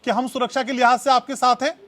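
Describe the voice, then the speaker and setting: A male debate anchor with a very high, strained-sounding pitch. He presses and cuts in on his guests, hammering the same challenge again and again in a studio debate. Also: flat delivery, quick pace, fairly bright tone.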